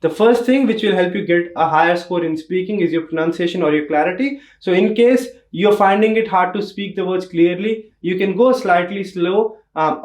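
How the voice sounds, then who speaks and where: High-voiced Indian man teaching, echoey room. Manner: emphatic, repeats key points. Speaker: test prep teacher. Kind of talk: instructional tutorial.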